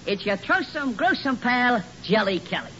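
An actor playing a teasing, wisecracking buddy in a 1940s radio comedy. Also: male voice, very high-pitched, sing-song, moderate pace, sharp tone, exaggerated voice. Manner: teasing, joking. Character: wisecracking buddy Jelly Kelly. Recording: dull old radio recording, faint hiss.

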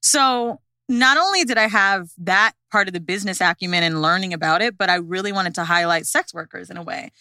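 A woman talking as a podcast guest in a blunt, slang-heavy way, swearing as she goes. Her voice is bright and forward, and the sound is close and dry. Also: on the low side, brisk, few pauses, no echo. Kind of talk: casual chat.

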